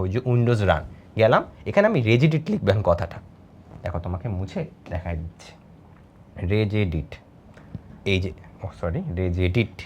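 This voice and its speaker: Man, Bangladeshi Bengali accent, 20s, chatty exam tutor, lively pitch, faint hiss. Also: lo-fi sound. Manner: chatty, repeats key words, mixes in English. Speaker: teacher. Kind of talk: exam-prep lesson with screen demo.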